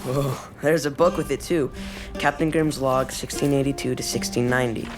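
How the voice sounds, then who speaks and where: A man's voice: medium pitch, steady tone, normal speed, over music, lightly acted. An actor playing a stubborn teenage boy in an audio drama, earnest and protesting. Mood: curious.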